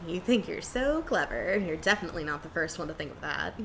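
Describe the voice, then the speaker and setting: A woman's voice: lowish voice, lively intonation, a little fast, fairly bright tone, slight background noise. A woman playing a wry, frank cryptid empath in an audio drama, with a dry, teasing, casual delivery.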